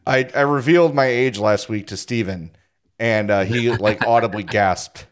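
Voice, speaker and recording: A man's voice: fairly low pitch, moderate pace. A man in his forties hosting a casual sports podcast, jokey and self-deprecating, laughing often. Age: 40s. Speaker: podcast host.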